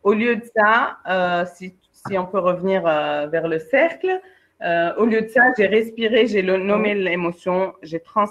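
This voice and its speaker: A woman, a career coach and trainer giving a lively webinar talk, speaking straight to her participants and acting out her examples. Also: mid-range voice, unhurried. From Algeria. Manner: lively, addresses participants directly, acts out examples. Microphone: video call. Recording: dull lo-fi online webinar audio.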